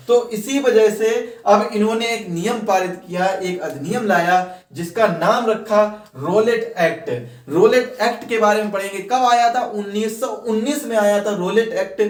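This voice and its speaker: Echoey room, male exam-prep teacher, high-pitched voice, lecture style, repeated key phrases, rhetorical questions. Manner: repeats key phrases slowly for note-taking. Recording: roomy echo, distant microphone.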